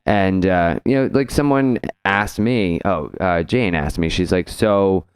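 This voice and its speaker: A man in his thirties co-hosting a hairdressing podcast in a salon, chatting casually into a boom mic and acting out what clients say. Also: a little slow, clear, resonant tone, no room sound. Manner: storytelling, acts out quoted clients. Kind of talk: casual chat. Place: salon studio. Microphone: studio mic on boom arm, headphones.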